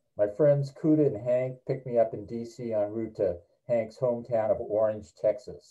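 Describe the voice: The clip is plain reading aloud.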